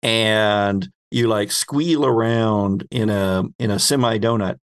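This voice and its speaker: A man working as host and game master, narrating an improvised story in a conversational way, pausing to search for words. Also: lowish voice, clear, resonant tone.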